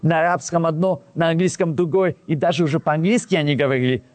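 Man retelling a story, slightly high voice. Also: fast, no echo. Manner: animated retelling that acts out quoted dialogue; frequent restarts and self-corrections. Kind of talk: casual personal anecdote.

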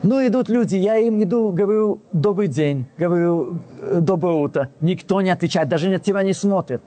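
A man with a high-sitting voice tells a casual personal anecdote at a brisk pace. He animatedly acts out the quoted dialogue, often restarting and correcting himself.

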